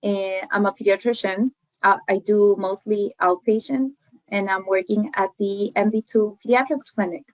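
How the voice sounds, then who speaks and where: A woman's voice: mid-range voice, fairly even intonation, normal speed, dry recording. A woman from Ecuador, a pediatrician, introducing herself briefly and matter-of-factly in a webinar. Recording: dry dull lo-fi audio.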